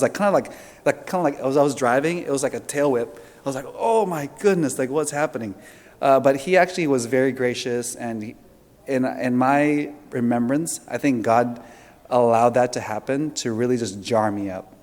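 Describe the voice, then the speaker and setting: A man gives a relaxed seminar talk to an audience in a big conference hall, his voice at an ordinary middle pitch. He speaks conversationally, with frequent fillers and restarts. A long reverb trails after his words. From Indonesia. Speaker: seminar presenter.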